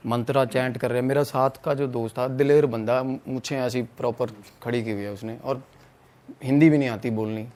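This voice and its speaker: A man from Punjab, telling a story as a podcast guest in an animated way, mixing in English phrases. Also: medium pitch, brisk. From Punjab, India. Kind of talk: casual storytelling.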